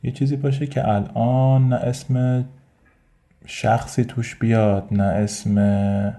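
A man's voice: medium pitch, level tone, warm tone. A man hosting a casual solo podcast with a Persian accent, thinking aloud in a rambling way with frequent fillers and restarts. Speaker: podcast host.

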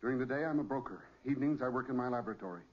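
An actor playing a desperate, doomed amateur inventor in 1940s radio style, grave and urgent. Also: male voice, mid-range voice, rapid-fire, lightly acted. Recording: muffled, dull 1940s radio recording.

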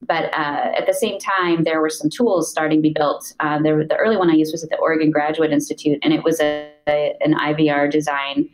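A woman from the United States is a guest on a podcast, and her voice sits very low for a woman. She talks through her career in a relaxed, matter-of-fact way, often pausing on an um. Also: poor audio. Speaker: podcast guest, voice interface designer. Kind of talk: interview answers, career story.

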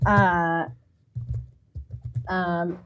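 Slow-talking woman with a big voice. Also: on the low side, level tone, a bit bright, dull audio. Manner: hesitant, full of fillers and laughs. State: sick, not warmed up. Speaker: singer, interview guest. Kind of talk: casual interview chat.

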